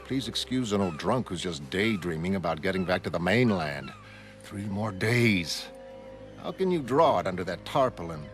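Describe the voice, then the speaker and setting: A man's voice: deep voice, very animated, moderate pace, pitched below the performer's own voice. A man voicing a weary, self-mocking older writer who rambles. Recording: music underneath.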